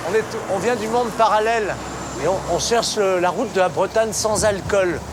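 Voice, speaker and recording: A man pulling hidden-camera pranks on strangers outdoors, playing a naive stranger with a deadpan delivery. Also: high-pitched, moderate pace. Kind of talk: street prank banter. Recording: outdoor street noise behind.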